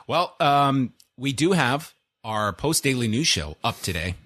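A man's voice: medium pitch, big pitch swings, measured pace, fairly bright tone, no room sound. A man from Canada co-hosting a podcast, chatting casually with dry, sarcastic humor. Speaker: podcast co-host. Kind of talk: casual chat.

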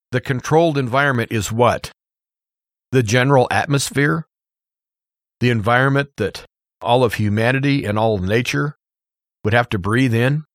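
Man, American accent, radio host, opinion monologue, emphatic deliberate delivery, medium pitch, very dry recording. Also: dry recording. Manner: emphatic, deliberate, with rhetorical questions. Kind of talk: opinion monologue on a prepper show.

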